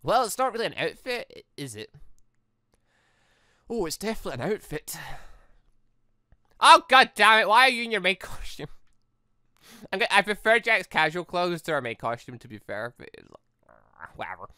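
Gaming commentator, medium pitch, animated, rambling, exclamatory, dry close sound. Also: moderate pace, pauses often, dry recording. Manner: exclamatory, rambling, self-interrupting. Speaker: gaming video host. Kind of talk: playthrough commentary with read-aloud dialogue.

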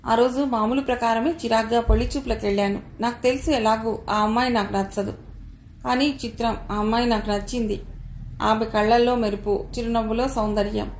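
A woman reading the part of a young married man who calmly confides about his wife. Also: on the high side, a little fast, close to an everyday voice. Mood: reflective. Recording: roomy echo, faint background noise.

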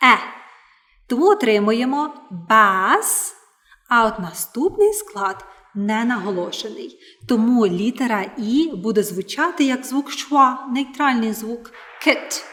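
A woman teaching an online English lesson, explaining pronunciation patiently and repeating each word slowly for learners. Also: on the high side, a bit bright.

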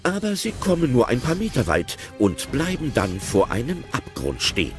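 A man narrating an audio drama in a lively storytelling manner. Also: medium pitch, moderate pace. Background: music.

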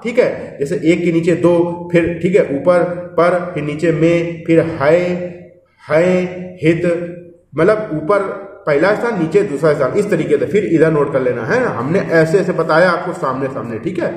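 A man's voice: a little high, moderate pace. Man teaching a shorthand class, step-by-step explanations, frequent comprehension checks, long hall reverb. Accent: Hindi. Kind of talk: classroom instruction. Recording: echoey room, voice from far off.

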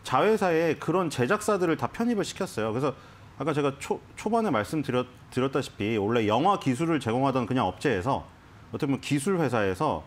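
A man's voice: medium pitch, lively intonation, fairly quick. A man explaining stocks on a financial TV program, talking in a conversational, explanatory way with frequent restarts. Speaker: stock analyst guest. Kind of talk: conversational market commentary. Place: TV studio.

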